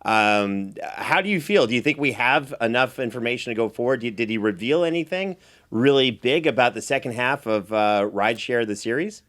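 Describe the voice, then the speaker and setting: A man's voice: mid-range voice, expressive, moderate pace, a bit bright. A man hosting a podcast in a casual, conversational interview style, generous with compliments. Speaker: podcast host and producer.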